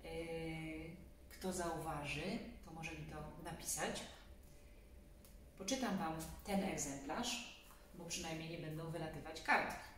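A woman's voice: sits low, takes it slowly. A woman in her forties reading a children's story expressively, with casual asides to her young listeners. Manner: expressive, addresses children directly. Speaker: storybook reader. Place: small indoor room, seated on a sofa. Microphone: camera a few metres away. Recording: very echoey room, distant mic, faint noise.

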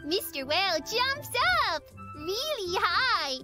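A small, curious female cartoon rabbit, very high and lilting. She speaks slowly and sweetly, wide-eyed, with music playing behind. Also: big pitch swings, exaggerated voice. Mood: gentle storytelling. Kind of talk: children's cartoon acting. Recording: prominent children's music behind voice.

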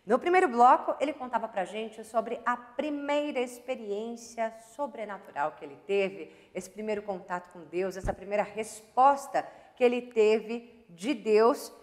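A woman's voice: fairly high pitch, measured pace, few pauses, in a large hall. A woman hosting a TV interview, summarizing the story and leading the guest with questions.

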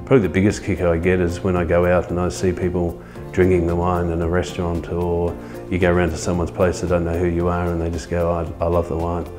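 A middle-aged man talking in a filmed interview as a winemaker, halting with many fillers, recorded in a tasting room. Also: low voice, monotone. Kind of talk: documentary interview. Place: indoor winery tasting room. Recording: music bed underneath.

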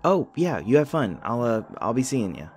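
A man's voice: mid-range voice, big pitch swings, moderate pace, soft background music, close to an everyday voice. A man playing an anxious, nerdy young college student in an audio roleplay, rambling and stammering self-consciously. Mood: flustered, friendly. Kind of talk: naturalistic audio roleplay acting.

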